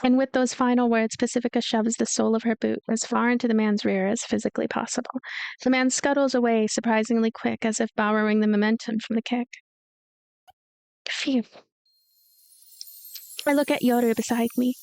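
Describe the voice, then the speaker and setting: A woman's voice: fairly high pitch, steady tone, fairly quick, vocal fry, pauses often, a little mellow, dry recording. A woman reading a visual novel's story aloud as narrator, with light commentary of her own.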